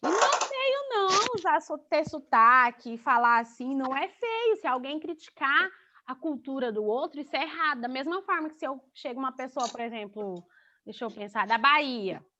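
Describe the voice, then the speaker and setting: A woman's voice: sits high, very animated, normal speed, noisy background. A young woman teacher with a Goiás Brazilian Portuguese accent, teaching an online class to children and explaining by asking and answering her own questions. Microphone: video call. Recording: dull lo-fi video call audio.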